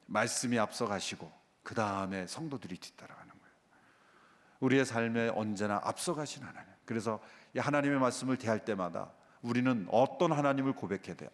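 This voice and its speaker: 회중에게 수사적 질문을 던지고 인용된 목소리를 흉내 내며 설교하는 남성 목사. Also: male voice, mid-range voice. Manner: animated, rhetorical questions to the congregation, acts out quoted voices. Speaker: pastor. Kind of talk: sermon. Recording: long hall reverb.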